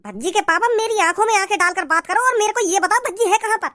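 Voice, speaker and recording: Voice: very high voice, lively intonation, fast, pushed and bright, no room sound, studio quality, faint music behind, exaggerated voice. A performer voicing a worried village mother in a cartoon, scolding and demanding to know where her son is.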